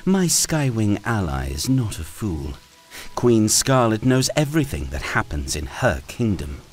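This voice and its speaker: A man's voice: lowish voice, sing-song, measured pace, soft background music, pitched above the performer's own voice. A man reading a fantasy storybook aloud, voicing a cruel, scheming female sand dragon queen who hisses her words with cold scorn.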